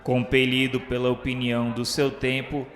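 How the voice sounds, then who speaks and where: Male narrator, Brazilian accent, for solemn radio storytelling; literary and measured, drenched in reverb over music. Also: medium pitch, completely flat delivery. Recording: echoey hall reverb, music underneath. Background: background music.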